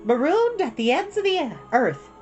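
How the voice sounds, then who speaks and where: A woman reader puts on a responsible schoolgirl, the older sister in a storybook. The voice is high and lively, with polite, earnest manners. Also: normal speed, muffled recording, soft background music. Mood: reassuring, wry. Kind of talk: children's storybook character voice.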